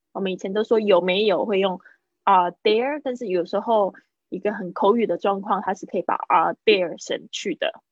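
Lady teaching english sounds on a live stream, mid pitch, fast chat then slow repeats, dry muffled mic. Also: no room sound. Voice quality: drills pronunciation by repeating words several times. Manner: switches between quick explanation and slow, drawn-out model phrases. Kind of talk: live online lesson. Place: indoors, streaming over video call.

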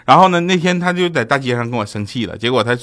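Male comic host, casual monologue, pitch swings a lot. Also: quick pace. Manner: animated storytelling, jumps into quoted voices. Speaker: comedy podcast host.

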